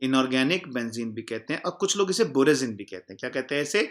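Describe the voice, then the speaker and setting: Lively, bright-voiced male teacher. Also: medium pitch, fast talker. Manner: explains by repeating, asking the class and answering himself; calls the students "children" warmly. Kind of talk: online exam-prep chemistry lecture.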